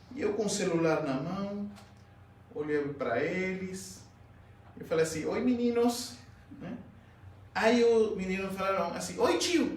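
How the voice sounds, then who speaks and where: Amid noticeable background noise and audible room echo, a man speaks in a high pitch with lively intonation at a fairly slow pace, leaving long, frequent pauses. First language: Spanish (speaking Portuguese). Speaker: spiritist speaker and writer. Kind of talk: public talk. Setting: lecture hall with audience. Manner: casual storytelling.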